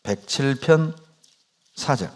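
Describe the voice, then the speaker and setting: A man's voice: mid-range voice, animated, slow pace. A male pastor preaching a sermon, speaking emphatically and asking his congregation rhetorical questions.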